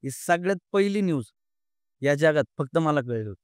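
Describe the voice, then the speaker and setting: A man's voice: on the high side, lively intonation, clean tone, no room sound, clean studio sound. Earnest young man. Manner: earnest, halting, many fillers and restarts. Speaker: podcast guest. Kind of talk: emotional storytelling in an interview.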